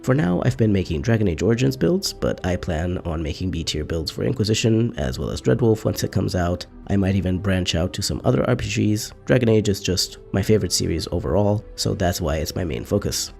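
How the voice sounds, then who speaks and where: Calm, deep, gravelly-voiced man. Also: faint music behind. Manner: calm, measured, explanatory. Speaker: gaming channel host. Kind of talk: scripted video essay narration.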